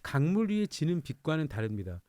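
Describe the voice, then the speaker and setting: A man's voice: fairly high pitch, sing-song, a little fast, darkish tone, no room sound. A man hosting a radio talk show, telling stories animatedly and laughing often in a studio. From Incheon, South Korea.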